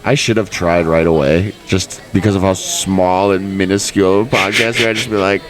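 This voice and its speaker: A man hosting a casual interview, chatty and agreeable, quick to joke and laugh. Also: low-pitched, fairly even intonation. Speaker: podcast host. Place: busy tattoo expo floor. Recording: loud crowd noise around. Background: loud crowd chatter.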